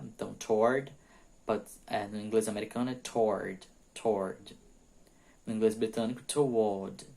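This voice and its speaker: A man teaching English prepositions, reading example sentences slowly and explaining them quickly, often checking in with "ok?". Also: on the low side, gravelly, darkish tone. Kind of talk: bilingual grammar lesson.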